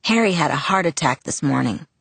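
A woman's voice: low voice, animated, a little fast, creaky, a bit bright, breathy edge, no room sound, exaggerated voice. Woman reading a blunt, protective teenage boy. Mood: sombre.

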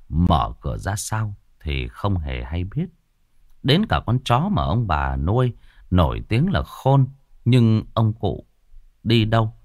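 A man's voice: fairly low pitch, darkish tone, no room sound, studio quality. A man narrating a ghost story with a dramatic storytelling delivery.

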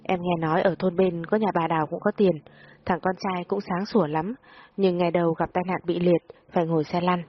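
A woman's voice: lowish voice, steady tone, fairly quick, slightly rough. A woman voicing a meddling, pushy middle-aged aunt who nags and scolds, in a storybook reading. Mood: persuading. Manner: nagging, scolding. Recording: muffled audio, faint music behind.

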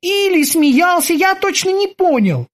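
A woman voicing a timid, eager male bosun who reports in a stiffly formal, drawn-out way. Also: very high-pitched, big pitch swings, voice pushed up, full character voice. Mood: eager telling.

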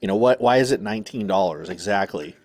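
A man's voice: lowish voice, quick pace. A man co-hosting a casual comedy talk show, wry and musing. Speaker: co-host.

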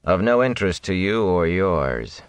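A man doing a calm, low-voiced stoic warrior. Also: measured pace, clean tone, no room sound.

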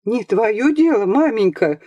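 A woman's voice: a little high, very animated, slow pace, mellow, no room sound, dull audio, voice pushed up, heavily acted. A woman reading aloud, voicing a peasant mother who pleads with and comforts her husband. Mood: stern. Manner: pleading, soothing, urgent.

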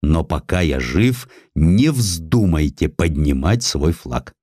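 Guy doing proud russian navy captain in an audiobook, firm n formal, lively swings in pitch. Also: slow, no room sound, clean studio sound, heavily acted. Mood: formal defiance. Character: resolute Russian destroyer commander, proud and defiant.

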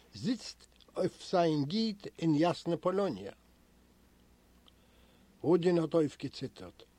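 A man reading a novel aloud as an audiobook in a measured literary manner, giving voice to the characters' dialogue and letters. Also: a little high, dark tone, no room sound. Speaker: audiobook reader. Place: library recording room.

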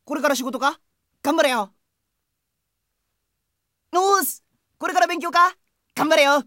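A brash, friendly teenage boy, with a high voice in a dry, close studio sound. He talks in cheeky, boyish slang, the teasing best buddy of an anime game drama. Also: unhurried, bright, forceful tone, no echo. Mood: cheerful, encouraging. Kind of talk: anime game audio drama, character voice messages.

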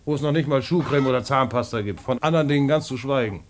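A man's voice: medium pitch, fast talker, slight background noise, close to an everyday voice. An actor playing a streetwise male black-market trader who talks colloquially and confides his own story in a radio play. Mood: persuasive. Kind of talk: radio play dialogue and first-person narration.

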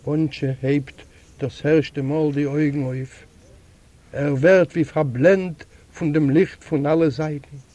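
A man reading a literary story aloud as an audiobook narrator, in a slow, measured, solemn storytelling manner. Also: fairly high pitch, fairly even intonation, mellow. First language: Yiddish. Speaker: audiobook reader. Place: library recording room.

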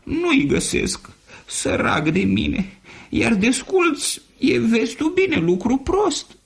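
Man voicing a gander, whiny, lamenting, very high, husky, swooping pitch. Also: very animated, heavily acted. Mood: wailing lament. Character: wailing male gander who lost his slippers.

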